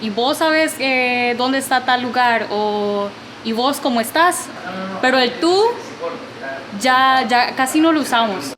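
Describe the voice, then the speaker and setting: A woman's voice: high voice, takes it slowly, crowd noise, rough recording. A nineteen-year-old woman with a Costa Rican accent, chatting casually and laughing outdoors by the coast. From Nicaragua, raised in Costa Rica. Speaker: interviewee. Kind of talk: casual chat. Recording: outdoor noise.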